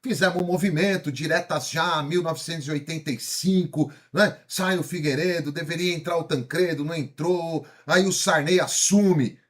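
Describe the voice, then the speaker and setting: Paulistano guy in his 50s lecturing a crowd, kinda husky, high-ish voice, keeps asking "tá certo?". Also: moderate pace, hardly any pauses. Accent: Paulistano Brazilian Portuguese. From São Paulo, Brazil. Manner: energetic, asks the audience questions, frequent tag questions. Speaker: speaker. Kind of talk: motivational lecture to a live audience.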